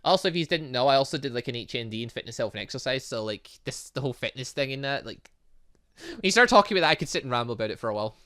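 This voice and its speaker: A man's voice: mid-range voice, expressive, very fast, bright, forceful tone. A British man giving casual, rambling let's play commentary and talking back to the game as he goes. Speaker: gaming channel host.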